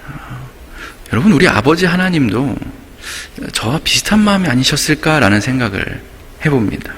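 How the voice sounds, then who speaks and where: A man's voice: on the high side, big pitch swings, moderate pace, fairly bright tone, breathy edge. A man preaching an early-morning prayer sermon as pastor, telling stories and acting out quotes. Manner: storytelling, acts out quotes. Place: church sanctuary. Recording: long reverb of a church hall.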